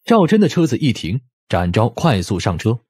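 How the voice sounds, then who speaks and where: A man's voice: medium pitch, huge pitch swings, normal speed, darkish tone, breathy edge, no room sound, studio quality. A man reading scripted audiobook narration in a dramatic storytelling style.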